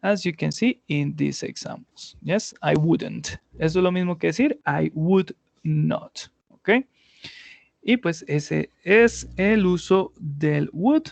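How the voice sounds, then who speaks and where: A man's voice: fairly high pitch, expressive, slow pace, vocal fry, dry recording. A male English teacher explaining grammar in an online class, patiently going step by step and often checking in with his students.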